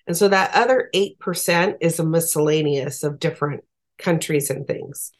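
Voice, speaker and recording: A woman's voice: low-pitched, moderate pace. A woman advocate for farm workers, speaking as an interview guest in an earnest, emphatic, plain-spoken way.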